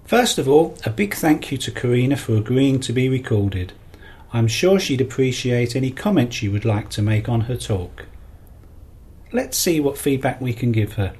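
A man hosting an English-learning podcast, giving measured, scripted feedback on a student's talk. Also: medium pitch, expressive, darkish tone, slightly rough. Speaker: podcast host and English teacher. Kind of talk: scripted teaching commentary.

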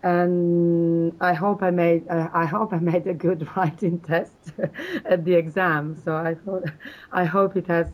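A woman from South Africa with a low voice answers interview questions. She speaks hesitantly, pausing often and restarting her sentences. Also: level tone. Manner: hesitant, many fillers and restarts. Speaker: interview guest, exam candidate.

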